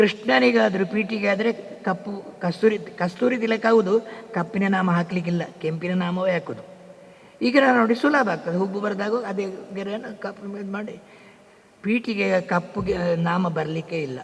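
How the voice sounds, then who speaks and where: A high-pitched man with a coastal Karnataka accent, ordinary pitch variation and noticeable background noise. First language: Tulu (speaking Kannada). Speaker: veteran yakshagana performer. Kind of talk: reminiscing interview.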